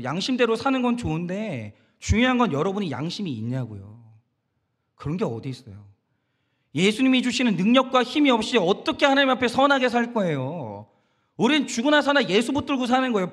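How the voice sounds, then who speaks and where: A man's voice: high-pitched, fairly bright tone, breathy edge. A man preaching a Sunday sermon as pastor, emphatic and direct, asking the congregation rhetorical questions. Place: church sanctuary.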